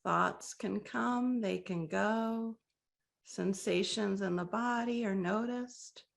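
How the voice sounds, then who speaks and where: A woman leading a guided breathing meditation, speaking softly and gently with long, inviting pauses. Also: mid-range voice, creaky.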